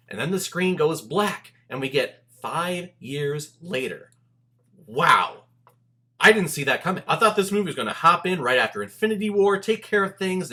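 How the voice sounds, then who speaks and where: A male movie reviewer speaks in a fairly high, bright voice with a sharp edge. His pitch swings widely as he gushes with enthusiasm. He leans hard on key words and pauses dramatically for effect. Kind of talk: enthusiastic video review commentary to camera.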